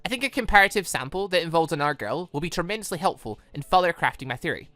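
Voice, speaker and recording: A woman voicing an earnest, clinical robot girl in a game, with precise, formal, measured speech. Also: fairly low pitch, expressive, fairly bright tone, dry recording, faint music behind.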